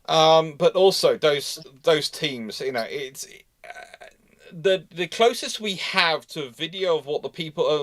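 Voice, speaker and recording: A man's voice: mid-range voice, a bit bright. A man hosting a live history question and answer discussion, explaining in an emphatic, repetitive, digressive way. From Britain. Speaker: naval history show host.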